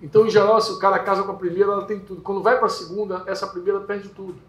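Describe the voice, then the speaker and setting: Carioca preacher telling a lively story. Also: male voice, high voice, very fast. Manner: lively storytelling, acts out characters. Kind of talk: sermon. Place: small home gathering indoors. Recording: echoey room.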